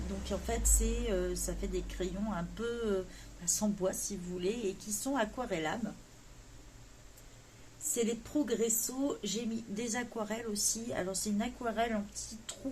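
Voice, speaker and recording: Woman, casual vlog chat, slightly high voice, hesitant fillers, faint background hum. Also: darkish tone. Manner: chatty, many hesitations; jokes about her English accent. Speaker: coloring vlogger.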